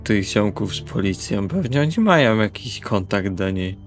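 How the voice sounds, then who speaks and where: A man's voice: fairly low pitch, expressive, normal speed. A man playing a tabletop role-playing game, improvising casually in and out of character in a blunt, sweary way. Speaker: tabletop role-play player. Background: faint music.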